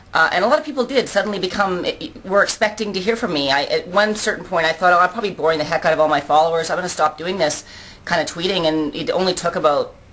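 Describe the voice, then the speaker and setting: The speaker talks at a very fast pace with a Canadian accent and lively intonation. Noticeable background noise can be heard. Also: woman. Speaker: fitness vlogger. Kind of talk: casual vlog monologue. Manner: stuttering, halting.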